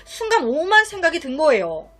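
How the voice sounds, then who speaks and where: A woman's voice: high voice, wildly swooping pitch, fairly quick, pushed and bright. A woman telling a crime story in a chatty way, with rhetorical questions and asides on what happens.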